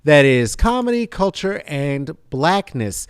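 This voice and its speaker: A man hosts a loose, casual chat show. His voice is smooth and clear in a dry, close sound. He rambles playfully, dropping to hushed earnestness one moment and building to loud hype the next. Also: fairly high pitch, sing-song, slow pace, no echo. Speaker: podcast host. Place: video call.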